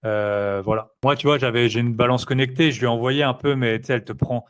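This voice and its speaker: A man speaks in an easygoing, conversational way, pausing often on fillers as he thinks out loud. His delivery is loose and unhurried, like talking with a friend. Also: medium pitch, background noise. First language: French. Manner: rambling, filler-heavy, relaxed. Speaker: interviewee, investor. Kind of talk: casual conversational chat.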